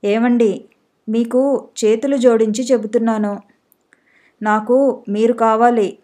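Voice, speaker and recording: A woman's voice: on the high side, fairly even intonation, slow, mellow. A woman doing a hurt, reproachful young wife. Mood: pleading. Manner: tearful, reproachful.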